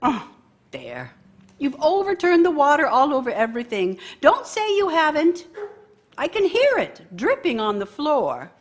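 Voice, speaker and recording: An actress playing a bitter, long-suffering wife in a radio play, nagging and scornful, with a husky voice. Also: female voice, high-pitched, wildly swooping pitch, measured pace, exaggerated voice. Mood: indignant, scornful. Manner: scornful, reproachful, needling. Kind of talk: radio theater monologue.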